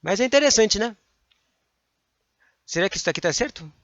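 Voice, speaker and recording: Brazilian guy teaching grammar online, high voice, dry muffled mic, reads examples with punch. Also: normal speed, no room sound. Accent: Brazilian Portuguese. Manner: reads examples aloud in a lively voice, mumbles asides. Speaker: exam-prep teacher. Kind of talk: online grammar lesson, reading and commenting.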